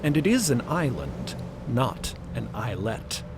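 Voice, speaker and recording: A man narrating a scripted story with deliberate, dramatic phrasing. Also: mid-range voice, huge pitch swings, noisy background.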